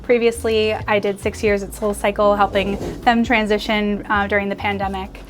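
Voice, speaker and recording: A woman's voice: mid-range voice, flat delivery, moderate pace. Eager woman marketing guest over music. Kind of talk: self-introduction in interview.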